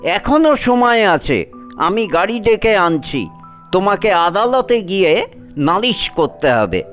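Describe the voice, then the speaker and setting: A man's voice: sits high, big pitch swings, takes it slowly, fairly bright tone, heavily acted. A man playing a wronged, upright elderly head of a household in a dramatised story, speaking solemnly and with emotion. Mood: indignant, solemn. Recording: music behind the voice.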